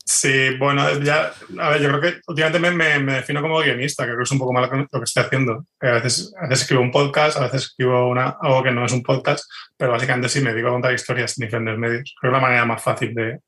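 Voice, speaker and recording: A man's voice: mid-range voice, steady tone, quick pace, pushed and bright. A man speaking as a guest in a casual interview. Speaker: podcast guest, scriptwriter.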